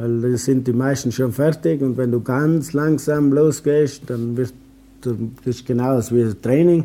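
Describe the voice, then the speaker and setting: A man speaks at a fairly slow pace in a medium pitch. His tone is dark and mellow, with fairly even intonation. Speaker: retired mountain professional hunter. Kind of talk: interview.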